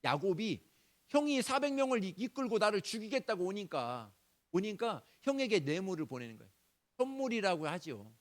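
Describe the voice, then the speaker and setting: Animated, high-pitched preaching man. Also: normal speed. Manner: animated, acts out prayers in raised voice. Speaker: pastor. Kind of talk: sermon. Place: church sanctuary.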